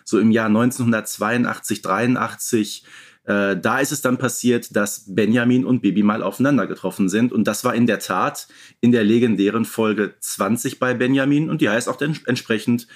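A man's voice: on the low side, normal speed. A man talking casually as the host of a fan podcast.

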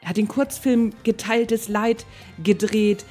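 Female podcast host, informal and enthusiastic, average pitch, faint music behind. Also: steady tone, slow, a little mellow. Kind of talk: podcast intro and casual interview chat.

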